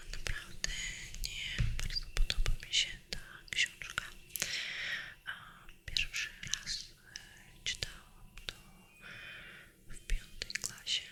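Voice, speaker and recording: Whispering very slowly in a non-native accent, a woman leaves long, frequent pauses, her loudness swinging widely over noticeable background noise. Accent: non-native Polish, still learning. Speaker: ASMR creator. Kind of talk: ASMR casual talk about books. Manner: whispered, soft-spoken.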